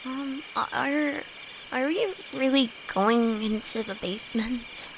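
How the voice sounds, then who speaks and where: Casting: woman to play nervous young female alchemist, fantasy roleplay. Higher-leaning voice, hesitant, affectionate, easily spooked; loud cricket-filled night ambience behind. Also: takes it slowly, gravelly, background noise, exaggerated voice. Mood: anxious, reluctant. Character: timid, easily frightened young female apprentice alchemist, affectionate best friend. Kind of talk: fantasy roleplay audio drama, intimate one-sided dialogue. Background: crickets and forest ambience.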